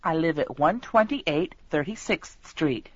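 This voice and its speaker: Chatty older woman, low lo-fi voice. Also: animated, unhurried, no echo. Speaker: dialogue speaker in a language lesson. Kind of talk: scripted dialogue. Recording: dull lo-fi recording with faint noise.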